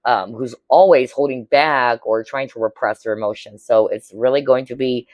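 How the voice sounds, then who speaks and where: A woman with a hoarse, cracking voice giving a casual tarot reading to viewers, chatty and often checking in with her listeners. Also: extremely low pitch, normal speed, a little mellow, dry recording. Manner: chatty, keeps checking in with "all right?" and "okay?". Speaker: tarot reader.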